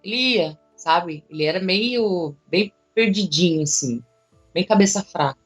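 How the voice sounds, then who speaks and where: A young woman tells her own story in an interview, emotional and animated, with casual slang. Her voice sits at a middle pitch. Soft music plays faintly behind her. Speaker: interviewee, psychic.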